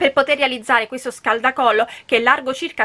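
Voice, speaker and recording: A woman raises and projects her voice in a bright, sharp tone with ordinary pitch variation. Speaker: presenter. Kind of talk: tutorial. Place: shop.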